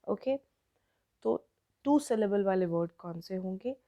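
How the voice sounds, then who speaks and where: A woman with an Indian accent teaching an online grammar lesson, explaining slowly word by word and switching between Hindi and English. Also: medium pitch, expressive, mellow.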